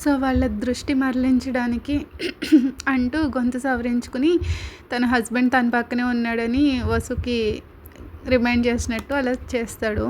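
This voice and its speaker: A woman tells a serial story in a relaxed, conversational way and mixes in English words. Her voice sits high. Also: moderate pace, slight background noise. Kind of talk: story narration.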